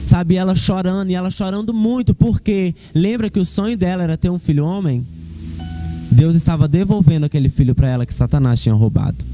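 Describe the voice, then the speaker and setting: A man's voice: sits high, a little fast, warm tone, soft background music. A young man giving a fervent church testimony, speaking directly to the congregation. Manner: fervent, addresses the congregation as "queridos".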